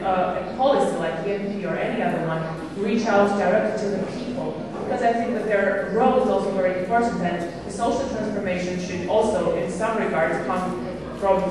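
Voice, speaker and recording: A woman asking a question from the floor at a panel discussion, in a measured and formal way. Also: mid-range voice. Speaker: audience questioner. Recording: echoey hall, distant mic, audience.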